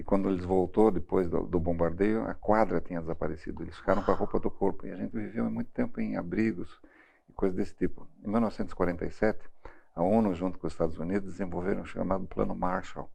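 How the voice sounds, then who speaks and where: A man's very deep, low pitch with a dark, mellow tone, vocal fry, ordinary pitch variation and a very fast pace. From Brazil (Curitiba), born in Germany. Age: 70s. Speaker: executive recruiter. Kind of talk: interview testimony. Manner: halting, with self-corrections.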